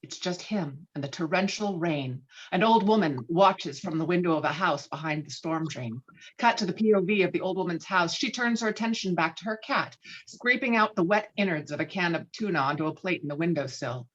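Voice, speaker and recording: A woman's voice: on the low side, a little fast. Woman narrator, slightly dull recording. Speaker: narrator reading stage directions. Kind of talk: dramatic scripted narration.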